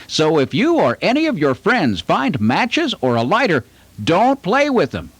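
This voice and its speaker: A man's voice: sits high, wildly swooping pitch, measured pace, slightly rough, no room sound, heavily acted. A man voicing a friendly puppet host who patiently explains fire safety to children in a puppet show. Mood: instructive. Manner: patient, instructive, talks to children.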